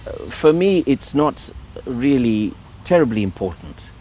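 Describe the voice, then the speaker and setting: A man's voice: medium pitch, big pitch swings, measured pace, a little mellow, slight background noise. A middle-aged man from Ireland, a Catholic priest speaking as an interview guest at his home, hesitant and full of repeated words and fillers. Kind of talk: relaxed conversational interview.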